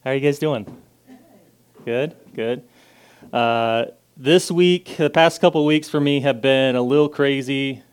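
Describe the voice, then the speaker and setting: Casting: man, guest preacher, loud and casual, clear and smooth tone. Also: medium pitch, a little slow. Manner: loud, casual and self-deprecating, reads scripture with rising emphasis, prays softly. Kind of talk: informal sermon with scripture reading and prayer.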